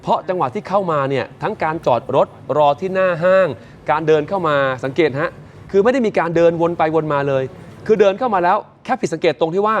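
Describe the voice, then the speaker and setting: A man presenting morning news, retelling events in a lively, chatty way and addressing viewers directly. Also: sits high, fast talker, dull audio, a little hiss or hum.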